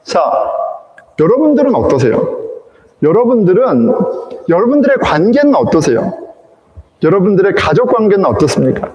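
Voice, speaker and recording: Lively high-voiced pastor preaching. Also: male voice, moderate pace. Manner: animated storytelling, acting out quoted characters. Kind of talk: sermon. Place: church sanctuary. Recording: echoey church hall.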